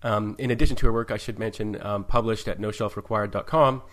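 A man hosts a podcast and reads the guest's introduction, then asks questions. He speaks in a low voice, measured and polite, with the odd filler. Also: fairly even intonation, fairly bright tone. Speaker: podcast host. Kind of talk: podcast interview.

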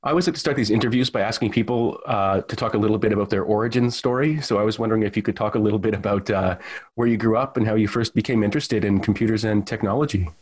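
A man's voice: on the low side, quick pace, darkish tone, husky. A man hosting an interview podcast, reading a scripted introduction and then chatting casually with many restarts. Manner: friendly, conversational, with many restarts. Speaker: podcast host.

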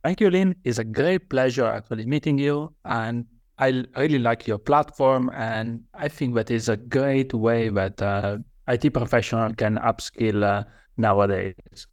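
A man's voice: medium pitch, normal speed, dry recording. Italian man with a hesitant accent. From Italy. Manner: hesitant, many fillers and restarts. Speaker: guest author. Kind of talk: podcast interview.

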